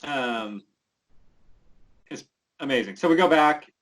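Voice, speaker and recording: A mid-pitched co-host chats casually over a text adventure game. The commentary is wry and amused, with plenty of "um" and "like" fillers. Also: expressive, slow, poor audio. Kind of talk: casual let's-play banter.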